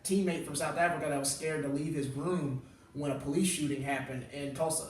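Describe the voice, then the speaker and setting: A man's voice: a little high, a little hiss or hum. A young man talking casually on a panel and telling stories animatedly. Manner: animated, speeds up and slows down, imitates people in quotes. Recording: echoey room, mic at a distance.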